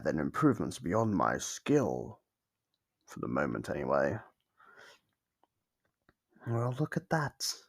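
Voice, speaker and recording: Man voicing a gravelly, sadistic monster captor. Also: on the low side, full character voice. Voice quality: gravelly, husky. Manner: menacing, theatrical, musing aloud. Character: sadistic, playful male monster captor toying with human prey. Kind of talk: ASMR horror roleplay, monologue to listener.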